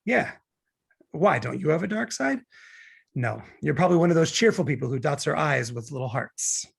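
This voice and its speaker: A man's voice: fairly high pitch, expressive, normal speed, creaky, breathy edge, exaggerated voice. A man playing a glib, cynical young law graduate who argues and needles in a script table read. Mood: smug, morbid. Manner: sardonic, argumentative, needling.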